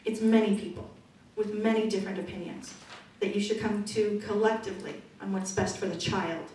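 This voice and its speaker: A woman's voice: medium pitch, steady tone, brisk. Forthright woman in an echoey hall. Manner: loud, forthright, conversational. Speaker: political candidate. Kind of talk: candidate forum answers. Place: meeting room. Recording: echoey room from far off, noisy.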